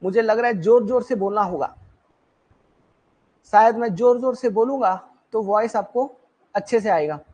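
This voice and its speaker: Using his own mic in a live online session, a man with a high-sitting, darkish voice leads an exam-prep class at normal speed with long pauses. He says things more than once and regularly checks in with listeners, and the audio sounds dull.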